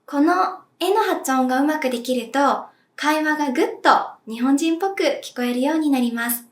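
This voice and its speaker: A woman teaching as a language teacher, speaking clearly and deliberately and demonstrating sounds for viewers to repeat. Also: high voice. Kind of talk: slow, clear pronunciation lesson. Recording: echoey room.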